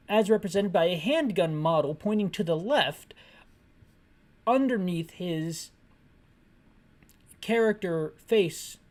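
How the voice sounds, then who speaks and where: A man describing a video game screen aloud in a loose, digressive way. He wanders off into jokes and asides, then comes back to the details. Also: sits high. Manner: rambling, digressive and jokey. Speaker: gaming channel host. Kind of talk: descriptive audio commentary of a game.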